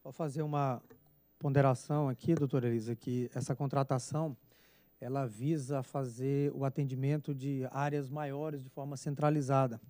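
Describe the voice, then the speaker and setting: A Brazilian man with a Brazilian Portuguese accent, an agency director making calm formal remarks over a video call. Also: medium pitch, moderate pace, dry recording.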